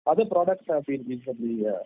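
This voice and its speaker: Executive on a tinny phone line. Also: male voice, mid-range voice, lively intonation, quick pace. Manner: hesitant, many fillers and restarts. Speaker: company executive answering analysts. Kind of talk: earnings call answers. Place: conference call over phone.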